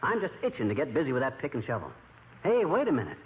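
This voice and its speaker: A man playing a boastful, excitable middle-aged husband in 1940s radio comedy, heard through an old AM radio broadcast. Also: medium pitch, phone-quality sound, slight background noise. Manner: blustery, bragging, quick comebacks. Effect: old AM radio broadcast sound. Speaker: radio sitcom lead.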